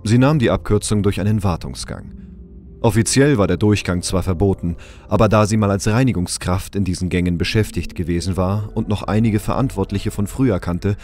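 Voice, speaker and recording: Low-pitched male narrator. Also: darkish tone. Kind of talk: scripted audio drama narration.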